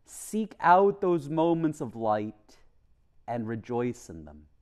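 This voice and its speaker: A man in his forties, a Catholic priest giving a homily in a deliberate, earnest manner with pauses for emphasis, at a chapel lectern microphone. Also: medium pitch, very animated. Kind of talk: homily, measured preaching.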